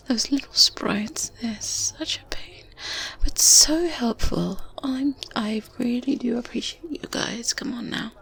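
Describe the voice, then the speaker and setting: A woman playing a good witch in an ASMR roleplay, strict but kindly and gently teasing, in a breathy, soft whisper close to the microphone. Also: on the high side, heavily acted, low-quality recording. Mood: teasing, fond. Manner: slow, gentle, with murmured hums and soft chuckles. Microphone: close binaural microphone. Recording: close binaural mic with ambient background noise. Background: medieval ambience sounds.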